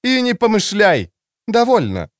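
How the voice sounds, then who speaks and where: A man reading an audiobook, voicing a sharp-tongued, irritable adult woman who snaps and scolds. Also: wildly swooping pitch, unhurried, no room sound, studio quality, full character voice. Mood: exasperated. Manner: snappish, shrill.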